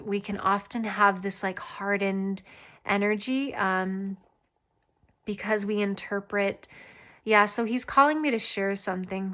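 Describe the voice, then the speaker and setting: A woman host giving a casual channeled spiritual reading, often pausing mid-thought as if listening. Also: medium pitch, a bit bright, smooth. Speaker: tarot reader and channeler, host.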